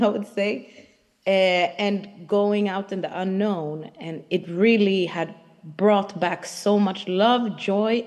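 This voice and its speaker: A woman, a hip hop dancer, talking on a video call in an unhurried, reflective way with many fillers. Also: medium pitch, darkish tone. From Sweden. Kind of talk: casual interview conversation. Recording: reverberant hall sound.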